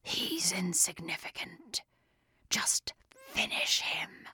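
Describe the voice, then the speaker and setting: A woman voicing a menacing male demon creature that speaks in a deep, harmonic voice, giving slow, whispered commands. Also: huge pitch swings, bright, forceful tone, husky, heavily acted.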